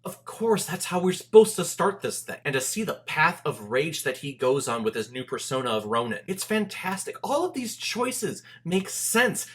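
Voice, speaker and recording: A man giving an enthusiastic movie review, gushing and emphatic, with dramatic pauses for effect. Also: a little high, sing-song, fairly bright tone. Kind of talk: enthusiastic video review commentary to camera.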